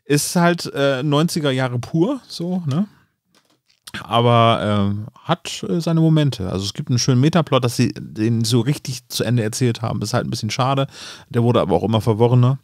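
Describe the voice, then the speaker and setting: A man hosting a podcast in casual chat, sometimes halting as he looks for words. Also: mid-range voice, expressive, dry recording, clean studio sound. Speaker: podcast host.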